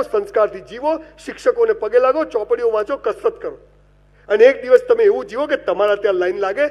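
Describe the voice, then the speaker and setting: A man delivers a humorous motivational talk in a notably high voice. He tells stories with big swings from loud to soft and turns to the audience to give them advice. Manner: animated comic storytelling with wide swings in loudness; addresses the audience directly and gives advice. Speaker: motivational speaker.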